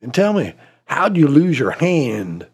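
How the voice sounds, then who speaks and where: A man voicing a kindly, sympathetic older man at a bar, gentle and folksy. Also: on the high side, big pitch swings, slow pace, breathy edge, pitched below the performer's own voice, heavily acted.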